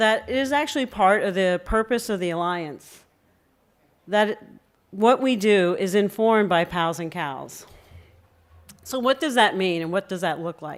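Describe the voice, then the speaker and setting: Speaking fairly slowly with long, frequent pauses, a woman uses lively intonation at a medium pitch, captured in a very clean recording with a silent background. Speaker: council chair at a conference. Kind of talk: conference presentation.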